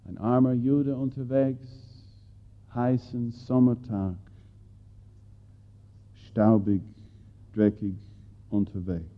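Man preaching slow, gets loud then goes real quiet, sounds like a phone line. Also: medium pitch, fairly even intonation. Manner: dramatic swings between loud and hushed; addresses listeners directly with questions. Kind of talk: sermon. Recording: tinny phone-like audio.

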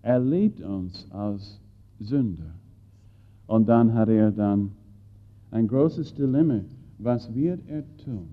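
A man preaching a sermon, swinging between loud bursts and hushed lines and putting questions to his listeners. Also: lowish voice, expressive, slow. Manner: addresses listeners directly with questions. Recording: tinny phone-like audio.

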